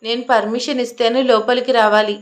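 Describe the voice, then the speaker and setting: A woman's voice: a little high, level tone, fairly quick, natural voice. A woman voicing an angry, defiant young heroine who argues indignantly in an audio love story. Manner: indignant, argumentative.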